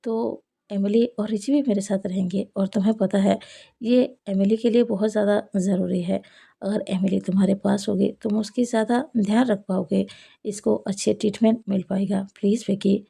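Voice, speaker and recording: Woman doing a jealous sulky young woman, gravelly low-toned voice. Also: fairly even intonation, moderate pace, mellow. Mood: insistent. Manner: sulky, pleading. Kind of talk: storybook narration.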